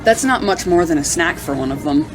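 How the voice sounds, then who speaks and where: A woman's voice: fairly low pitch, lively intonation, a little fast, lightly acted. A woman playing a friendly, practical companion in an amateur audio drama, with a casual, conversational delivery.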